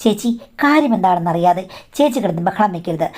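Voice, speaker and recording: A woman's voice: on the low side, lively intonation, a little fast, a little mellow. A woman voicing an earnest young man who pleads insistently for his sister, in a spoken story. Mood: pleading.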